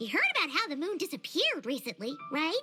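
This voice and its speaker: A high-pitched, put-on character voice at a very fast pace, with clear music in the background. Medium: video game.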